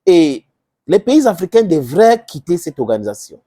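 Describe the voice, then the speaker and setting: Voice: medium pitch, big pitch swings, moderate pace, mellow. A commentator from Southern Cameroon with a Cameroonian accent and English as first language, giving impassioned informal political commentary with emphatic repetition and rhetorical questions. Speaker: political commentator addressing viewers.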